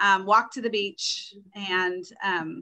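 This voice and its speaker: The woman's voice is medium in pitch, with a bright, sharp tone. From Monterey, California. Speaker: real estate agent. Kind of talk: panel discussion.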